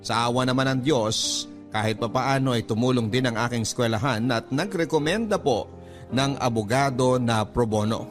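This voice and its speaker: A man's voice: medium pitch, normal speed, soft background music. A man narrating a scripted, dramatic first-person story as a radio letter reader. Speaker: narrator reading a listener's letter.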